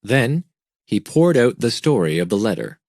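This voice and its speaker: A man narrating a story in an expressive, measured way on a close microphone. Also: mid-range voice, no room sound.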